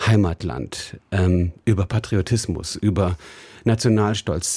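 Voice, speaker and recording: A male radio host with a low, mellow, husky voice, heard close and dry on a studio microphone. He announces clearly and at a measured pace, with the odd filler, as he leads a call-in talk show. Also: no room sound.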